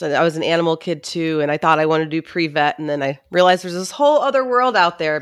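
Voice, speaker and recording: Upbeat woman podcast host, mid-pitched, dry close mic, rambling questions. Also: dry recording. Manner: upbeat, chatty, asks long rambling questions. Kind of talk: casual interview chat.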